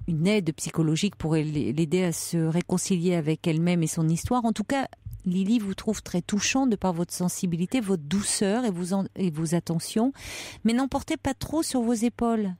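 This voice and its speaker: A woman hosting a late-night radio call-in, giving soft, reassuring advice with many hesitations. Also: fairly low pitch, normal speed, no room sound.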